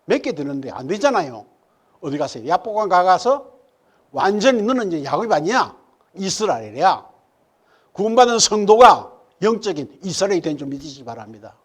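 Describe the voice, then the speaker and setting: Man, pastor, sermon, rhetorical questions, highly animated pitch. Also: brisk, slightly rough. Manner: preaching with rhetorical questions to the congregation; swings from loud emphatic peaks to low murmured asides. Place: church sanctuary.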